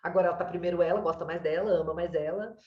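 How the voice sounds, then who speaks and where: Speaking rapid-fire in a lowish voice with fairly even intonation, this Brazilian Portuguese-accented woman is a child development consultant counseling a parent. Her warm, patient explanations are peppered with "né?" and "sabe?" checks. Audio is roomy and distant through a dull mic.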